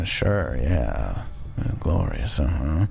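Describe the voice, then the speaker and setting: A man mumbling in a put-on character voice over clear background noise. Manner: bored, half-hearted.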